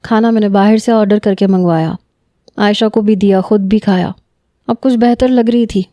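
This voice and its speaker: Woman, storyteller, scripted romance narration, steady, warm mellow tone, dry close recording. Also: mid-range voice, dry recording.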